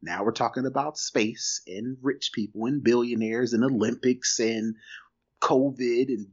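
A man co-hosting a casual tech news podcast, talking in an animated, slangy, emphatic way. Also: mid-range voice, unhurried, muffled recording. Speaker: podcast co-host.

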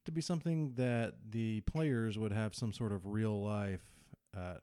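A man walks through his game master choices in a calm, explanatory voice-over. His voice sits low and mellow, recorded close and dry with no room behind it. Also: clean tone, dry recording. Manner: explanatory, measured. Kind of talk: voice-over commentary on a tabletop game.

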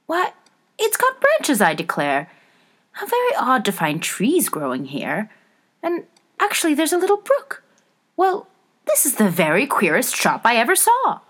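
A woman's voice: high-pitched, wildly swooping pitch, a little slow, fairly bright tone, pitched above the performer's own voice, full character voice. A woman voicing a curious, polite, eager little girl in a storybook, with a wondering, childlike way of exclaiming.

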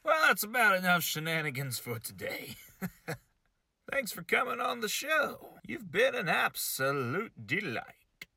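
A male podcast host engages in comedic banter, teasing his guest with sarcastic, mock-insulting jabs. His voice is gravelly and raspy yet bright and forceful, with lively pitch swings at a measured pace. The recording is dry and close, with no room sound.

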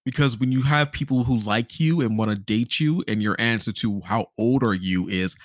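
A man co-hosting a podcast, giving a casual game review in an animated storytelling way, acting out reactions. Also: medium pitch, moderate pace, no room sound, clean studio sound. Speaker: podcast host.

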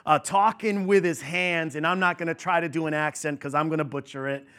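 Bright-voiced pastor preaching conversationally. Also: male voice, fairly high pitch, steady tone, brisk, clean tone. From New York. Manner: conversational and warm-humored with the congregation, many fillers. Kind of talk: sermon.

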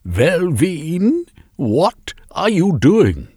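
A man puts on a furious middle-aged mother for a storybook reading. She screeches in a voice pushed far above his own, her pitch leaping wildly. The sound is dry and close. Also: huge pitch swings, drawn-out words, darkish tone, slightly rough, dry recording, heavily acted. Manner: shrill, shrieking.

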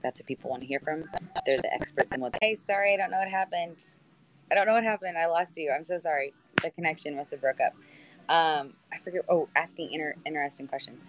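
A woman in her thirties with a naturally deep voice, a sideline reporter chatting on a video call, sprinkling her answers with ums and restarts. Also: fast, poor audio. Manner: conversational, lots of fillers and restarts. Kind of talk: answering student questions on a call.

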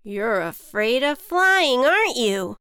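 A woman's voice: fairly high pitch, big pitch swings, slow, bright, forceful tone, clean tone, dry recording, studio quality, full character voice. A woman voicing a small, cheeky male ant who persuades and encourages in a chummy, folksy way, as in a children's storybook. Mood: needling.

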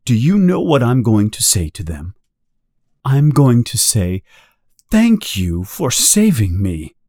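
A man reading a story, voicing a frightened prisoner who pleads in a high, fast voice. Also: wildly swooping pitch, darkish tone, no echo, clean studio sound, full character voice. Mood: anxious. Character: frightened middle-aged male prisoner, desperate and babbling.

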